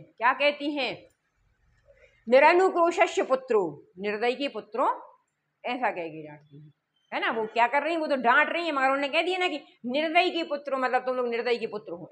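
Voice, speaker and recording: A woman teaching a lesson, reading lines slowly, then explaining them quickly and asking her students questions. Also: high-pitched, pushed and bright. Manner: explains step by step, asks the class questions and answers them.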